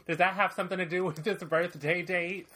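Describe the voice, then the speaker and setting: A man co-hosting a podcast in casual chat, sassy and teasing with quick laughs. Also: high voice, steady tone, sharp tone. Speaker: podcast co-host.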